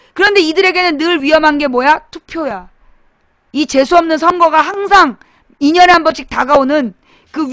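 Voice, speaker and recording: A woman's voice: sits high, fairly bright tone, dry recording, studio quality. A woman hosting a political talk webcast, talking bluntly and emphatically to her live chat audience and firing rhetorical questions at them.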